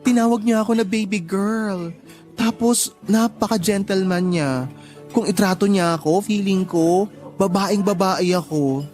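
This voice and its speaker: An actor playing a sassy, lovestruck young gay person in a Tagalog radio drama, with campy, expressive delivery. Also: male voice, high voice, a little slow. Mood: smitten, proud. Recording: music bed behind the voice.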